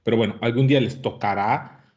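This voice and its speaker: A man's voice: medium pitch, fairly even intonation, brisk, darkish tone, dull audio. A man giving an interactive medical lecture, quizzing his students and often calling them young people. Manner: questions students, addresses them as "jóvenes".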